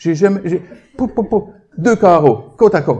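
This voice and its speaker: The man's tone is dark and mellow. He talks at a moderate pace. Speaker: guest preacher. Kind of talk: sermon.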